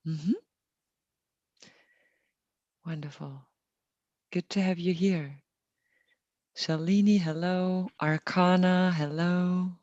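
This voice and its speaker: A woman hosting an online meditation session, welcoming people in a gentle, unhurried and reassuring way. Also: lowish voice, fairly even intonation, no room sound, muffled recording. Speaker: meditation host. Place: online group call.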